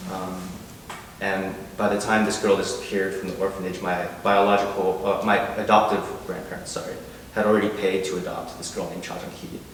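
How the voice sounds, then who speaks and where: A man with an American accent speaks at a fairly quick pace in a fairly low pitch, monotone and flat yet with big swings in loudness. Audible room echo and noticeable background noise are present. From United States. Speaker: second-generation Korean adoptee, panel speaker. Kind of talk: personal testimony at a panel. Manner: halting, many fillers.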